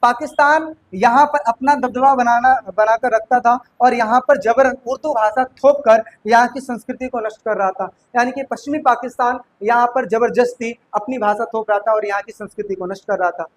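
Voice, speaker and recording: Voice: mid-range voice, moderate pace, hardly any pauses, poor audio. A teacher giving a spoken history lesson, posing rhetorical questions, answering them right away and repeating key points. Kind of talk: classroom lecture explaining history.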